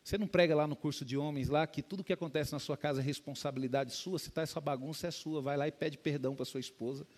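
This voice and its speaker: A calm, wise male friend giving counsel in a soft, lowered voice, as a pastor puts him on. He speaks quietly and steadily. His voice stays fairly high for a man even when he drops it. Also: quick pace, vocal fry, full character voice. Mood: advising.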